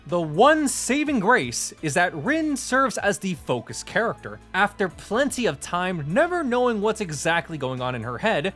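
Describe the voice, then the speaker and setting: A man with a slightly high voice narrates a scripted review. His pitch swings widely from phrase to phrase. Faint music plays underneath. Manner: expressive, rising and falling delivery. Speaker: visual novel reviewer. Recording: voice-over with faint background music.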